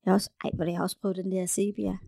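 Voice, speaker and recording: A woman's voice: medium pitch, flat delivery, vocal fry, warm tone, no echo, studio quality. A woman chatting candidly about her experiences, with many fillers and restarts. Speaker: swinger sharing experiences. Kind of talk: candid casual chat.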